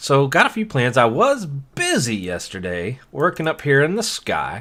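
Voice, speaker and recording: Over a silent background in a very clean recording, a man with a medium pitch and vocal fry makes very wide pitch swings. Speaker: gaming video creator. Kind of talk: gameplay commentary.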